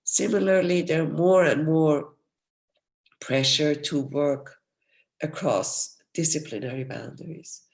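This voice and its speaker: Gravelly-voiced woman lecturing, voice going. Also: low-pitched, slow. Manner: explanatory, steady, apologetic when interrupted. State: losing her voice, coughing. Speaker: professor giving a research seminar. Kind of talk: academic lecture.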